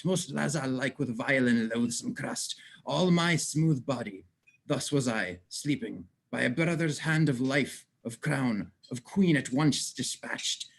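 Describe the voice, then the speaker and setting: A man playing the ghost of a murdered king, solemn and anguished, declaiming slow Shakespearean verse in a dramatic reading. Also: a little high, creaky, slightly rough, exaggerated voice. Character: murdered king's ghost, solemn, wronged, commanding older male. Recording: remote livestream audio.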